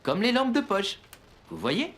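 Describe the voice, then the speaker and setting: A man voicing a cheerful, reassuring dad in a French children's cartoon, gently and patiently explaining things. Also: high voice, huge pitch swings, a little slow, slight background noise, heavily acted. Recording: music behind the voice.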